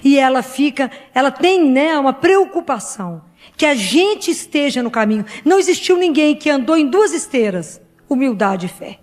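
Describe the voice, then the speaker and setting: High-voiced woman preaching earnestly. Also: sing-song, normal speed, soft background music. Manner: earnest, heartfelt, speaks directly to the congregation. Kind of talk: sermon.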